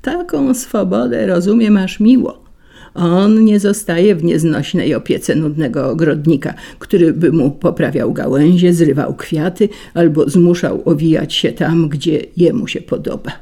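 A woman's voice: deep voice, vocal fry, warm tone, slightly rough, exaggerated voice. A woman voicing a mocking, restless breeze. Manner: teasing, scornful. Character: mocking restless male breeze, freedom-loving.

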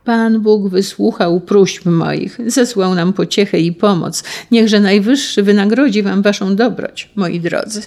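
A storybook reader voicing a pious, grateful old village grandmother who speaks fervently and slowly. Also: medium pitch, big pitch swings, mellow, breathy edge, pitched above the performer's own voice, exaggerated voice.

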